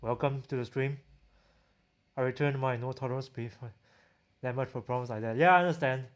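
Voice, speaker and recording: A man's voice: mid-range voice, fairly even intonation, a little fast. A man with a Singaporean accent chatting casually as a livestream host, reading out and answering viewer questions. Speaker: livestream host, audio gear reviewer.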